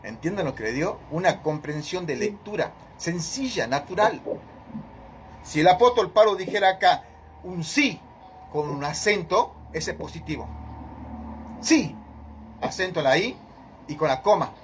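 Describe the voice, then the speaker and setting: A man's voice: a little high, animated, normal speed, fairly bright tone, slight background noise. A man leading a Bible study, teaching emphatically and questioning his listeners directly.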